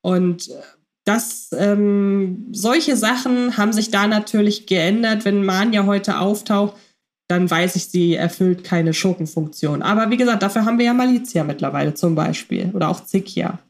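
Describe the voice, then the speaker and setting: A woman's voice: mid-range voice, moderate pace. A woman co-hosting a casual fan podcast, reflecting in long winding sentences full of fillers. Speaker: podcast co-host.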